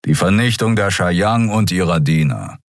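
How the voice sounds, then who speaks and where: A man's voice: low-pitched, animated, normal speed, no room sound, clean studio sound. A man voicing a grim lion-headed male warrior who talks in terse growls.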